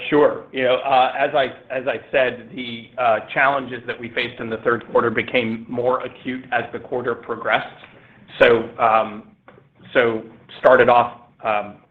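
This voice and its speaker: Halting male executive on a phone line. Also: medium pitch. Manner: halting, measured corporate delivery. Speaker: company executive answering analysts. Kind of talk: earnings call answers, business talk. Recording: muffled phone-line conference call.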